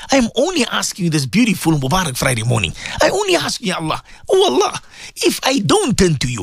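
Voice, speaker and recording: Tearful, impassioned Muslim prayer with sweeping pitch. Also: creaky, slightly rough, dry recording, clean studio sound. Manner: pleading, emotional, repetitive invocations. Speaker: Muslim prayer leader giving a supplication. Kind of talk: impassioned live broadcast prayer.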